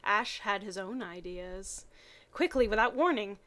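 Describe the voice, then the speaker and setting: A woman's voice: mid-range voice, a little slow, pushed and bright. A woman giving a mocking dramatic reading of fan fiction, slipping in muttered, sardonic comments.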